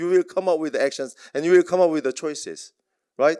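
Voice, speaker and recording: A man with a Korean accent speaks in an animated tone. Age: 30s. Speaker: motivational business speaker. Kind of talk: motivational seminar speech.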